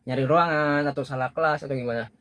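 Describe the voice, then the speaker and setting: A young man hosting a podcast in a relaxed, casual way, often filling pauses with soft hums and hesitations. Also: a little high. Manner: relaxed questioning with many "eh" and "hmm" fillers. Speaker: podcast host. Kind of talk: casual chat.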